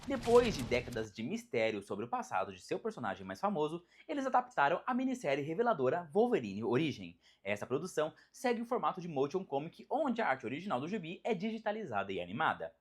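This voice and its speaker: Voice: mid-range voice, husky. A narrator with a Brazilian accent reading a scripted video essay in a dramatic, emphatic storytelling way. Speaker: narrator of a video about animated superhero films.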